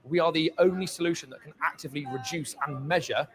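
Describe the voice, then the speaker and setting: A man's voice: on the high side, quick pace, fairly bright tone. A man speaking as a company spokesman in a promotional testimonial.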